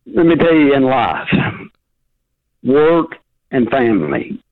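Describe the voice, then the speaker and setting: A middle-aged man calling in on an old flip phone, talking in a halting, hesitant, folksy way. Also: medium pitch, big pitch swings. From Bowling Green, Kentucky. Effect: old flip phone call line. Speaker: caller. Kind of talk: casual call-in chat. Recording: tinny flip phone line.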